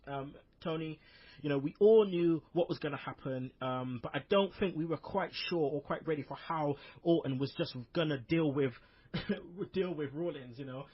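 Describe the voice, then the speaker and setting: A man with a raspy voice hosting a casual wrestling podcast, loose and swearing, repeating his punchlines. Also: fairly high pitch, normal speed, lo-fi sound. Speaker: podcast host.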